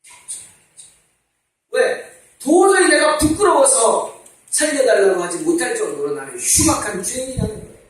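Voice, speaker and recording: A man's voice: extremely high pitch, very animated, normal speed. A man preaching a sermon as pastor, asking rhetorical questions and repeating his calls to repent. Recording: echoey church hall, mic at a distance.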